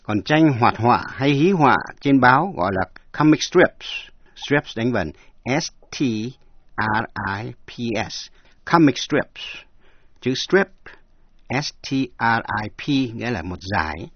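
A man's voice: medium pitch, big pitch swings, unhurried, no echo, highs cut off. A man narrating an English lesson, explaining words and spelling them letter by letter. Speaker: language teacher.

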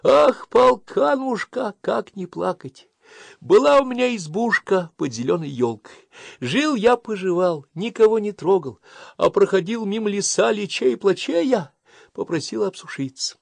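A man's voice: animated, measured pace, gravelly, no room sound, exaggerated voice. A man voicing a timid little male hare who complains tearfully. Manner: high wailing plaintive voice.

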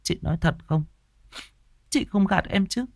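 A man's voice: high-pitched, animated, measured pace, creaky, no room sound, studio quality, voice pushed up, exaggerated voice. A man doing a choked, pleading young woman. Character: heartbroken young woman opera singer.

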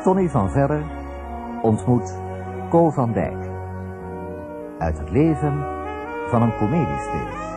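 A man reading a scripted radio title announcement in a measured, deliberate presenter's delivery. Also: medium pitch, sing-song. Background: ambient music.

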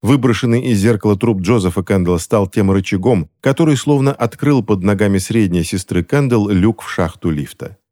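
Low-voiced male audiobook narrator. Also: brisk, few pauses, dark tone.

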